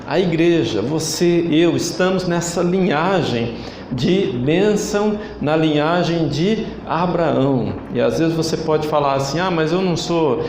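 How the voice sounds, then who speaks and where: Speaking as a church leader in a church hall, this man from Brazil preaches an online sermon slowly and emphatically, drawing call-and-response from the congregation in a Brazilian Portuguese accent. His voice is slightly high and slightly mellow, and the rough recording has an echoey room and faint background noise.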